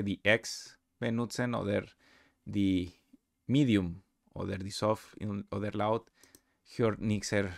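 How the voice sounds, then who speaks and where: A non-native man with a foreign accent giving a software tutorial, halting and searching for words. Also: on the low side, creaky, no room sound, clean studio sound. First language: not German. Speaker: presenter.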